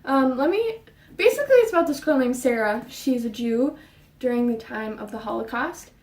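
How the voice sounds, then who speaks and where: A young woman vlogging casually about books, talking fast and rambling, a bit out of breath. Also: high-pitched, animated, darkish tone, recorded from a distance. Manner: fast, rambling, with fillers and restarts. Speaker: book vlogger. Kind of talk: casual book chat. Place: her bedroom. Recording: roomy sound, voice off-mic.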